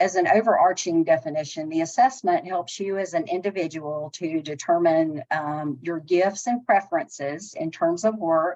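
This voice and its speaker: This woman has a Southern US accent and a fairly low pitch. She talks at a moderate pace with ordinary pitch variation. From US South. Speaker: HR consultant. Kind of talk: casual chat.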